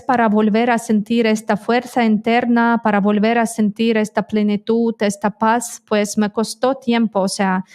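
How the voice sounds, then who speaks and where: A woman who grew up with another first language talks in a direct, earnest manner, pausing often to find her words. Her voice sits fairly high for a woman. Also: darkish tone. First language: not Spanish. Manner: direct, earnest, frequent hesitations and laughs. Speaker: interview guest. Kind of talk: conversational interview.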